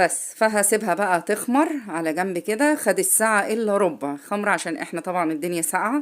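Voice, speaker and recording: A woman at a medium pitch, with an Egyptian accent. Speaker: home cooking video host. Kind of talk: cooking tutorial. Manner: casual, halting.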